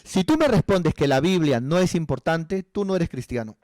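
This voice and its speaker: A man's voice: on the high side, animated, normal speed, darkish tone, no room sound. A male pastor preaching a sermon in an earnest, pleading way, often acting out little dialogues.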